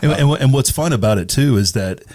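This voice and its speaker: A man's voice: mid-range voice, expressive, fairly quick, darkish tone. A middle-aged or older man from East Texas, a radio personality answering casually as a guest in hesitant, thoughtful phrases. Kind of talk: casual interview chat.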